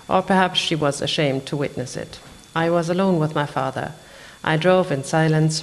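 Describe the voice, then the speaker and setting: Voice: mid-range voice, vocal fry. A reader at a live literary event, reading prose aloud from a novel in English.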